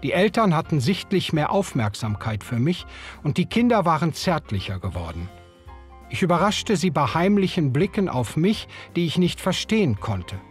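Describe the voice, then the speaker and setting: A man narrating an audio drama in the first person, in a measured storytelling manner. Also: on the high side, sing-song, faint music behind.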